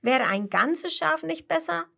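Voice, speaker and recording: A woman's voice: high-pitched, unhurried, vocal fry, voice pushed up, exaggerated voice. Kasper, a woman doing an eager young puppet boy. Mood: excited. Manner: eager, excited questions. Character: cheerful young male puppet hero, lively and curious. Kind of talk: storytelling for small children.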